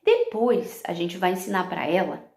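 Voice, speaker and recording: A woman's voice: lowish voice, expressive, moderate pace, creaky, a little mellow, echoey room. A woman teaching other teachers about phonological awareness. She explains step by step, checking in with "ok?" and using English words along the way.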